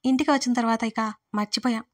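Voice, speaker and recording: A woman's voice: on the high side, fairly even intonation, quick pace, no echo, clean studio sound, far from the mic, natural voice. A woman voicing an anxious, tearful middle-aged mother who speaks hesitantly and apologetically in an audiobook drama. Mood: apologetic. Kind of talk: audiobook role reading.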